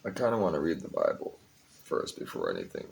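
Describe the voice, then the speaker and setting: Man, young adult, very deep voice, tired, rambling, swears a lot, casual vlog talk. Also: wildly swooping pitch, fairly quick, vocal fry. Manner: rambling, confessional, curses freely. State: tired, a bit high. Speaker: vlogger.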